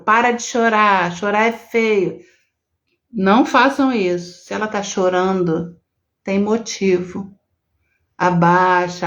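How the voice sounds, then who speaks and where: Brazilian woman, middle-aged, therapist hosting a live stream; chatty, teacherly, lots of tag questions. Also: mid-range voice. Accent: Brazilian Portuguese. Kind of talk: casual live-stream talk, reading viewer comments.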